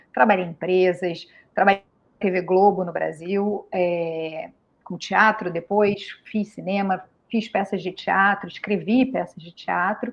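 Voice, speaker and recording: With a Rio de Janeiro accent, a woman speaks fairly slowly at medium pitch, keeping her intonation fairly even. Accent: Rio de Janeiro (carioca). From Brazil, Rio de Janeiro. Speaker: psychotherapist and tarot reader. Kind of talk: interview, telling life story. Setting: video call.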